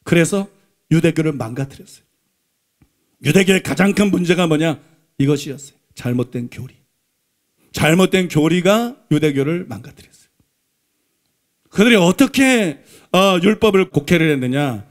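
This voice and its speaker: A man's voice: on the high side, lively intonation, normal speed, long pauses. A male pastor preaching a Sunday sermon in a church. He is emphatic, repeats his points and keeps asking the congregation rhetorical questions. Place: church sanctuary.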